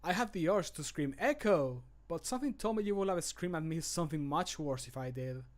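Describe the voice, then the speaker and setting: Guy doing an excitable game adventurer dude, eager, voice pitched up a bit. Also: fairly quick, natural voice. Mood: dry, teasing. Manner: eager, gushing. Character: excitable male adventurer, fascinated by caves. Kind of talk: video game voice line acting.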